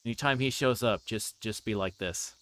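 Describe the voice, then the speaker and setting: A man's voice: on the low side, normal speed, a bit bright, a little hiss or hum. A man on a livestream reading a visual novel aloud and adding casual commentary. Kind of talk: livestream game read-along with casual commentary.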